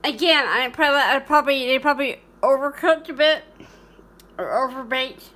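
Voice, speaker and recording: Home baking vlogger, woman, high bright voice, loose chatty delivery full of ums. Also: normal speed. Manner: rambling, many fillers and restarts. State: hiccuping. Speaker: cooking channel host. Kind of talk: casual vlog chat.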